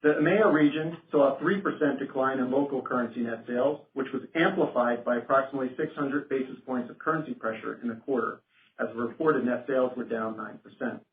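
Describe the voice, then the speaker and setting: A man's voice: medium pitch, fairly quick. A man speaking formally as a finance executive presenting on a company earnings call. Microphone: conference phone call. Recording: roomy phone line with noticeable hiss.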